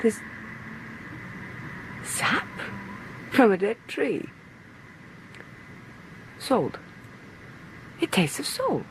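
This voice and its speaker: A woman's voice: medium pitch, huge pitch swings, extremely slow, pauses often, noisy background, heavily acted. An actress playing a genteel, lonely and insistent lady of the house in a radio horror play, with a hesitant, theatrical manner. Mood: dreamy, eerie.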